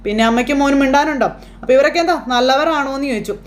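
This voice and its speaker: A woman's voice: sits high, rapid-fire. A woman, chattily retelling a TV serial episode and voicing the characters' lines in passing.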